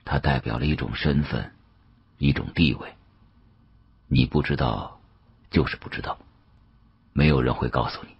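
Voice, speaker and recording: Male narrator as older official, audiobook drama, bottomless low pitch, husky, solemn, cryptic, unhurried. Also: muffled recording, full character voice. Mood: solemn, proud. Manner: slow, weighty, lecturing.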